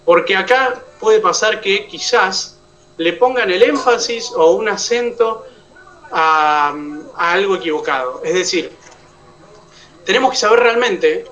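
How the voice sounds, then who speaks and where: High bright-voiced Argentine man lecturing. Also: recorded from a distance, muffled recording. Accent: Argentine Spanish. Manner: explains step by step, checks students follow. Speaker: oratory teacher. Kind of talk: online class lecture.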